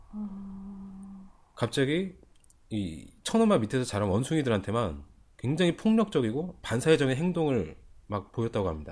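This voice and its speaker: This man's voice is somewhat breathy and fairly high in pitch. He speaks at a moderate pace with very wide pitch swings. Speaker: book podcast host presenting a book. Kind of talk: casual book discussion podcast. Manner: conversational, with many fillers.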